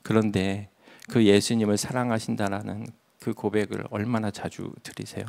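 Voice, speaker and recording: A man's voice: lowish voice, level tone, moderate pace, creaky, darkish tone. A young adult man preaching at an early-morning church service, telling his story and dropping to a near-whisper for emphasis. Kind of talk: sermon. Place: church sanctuary.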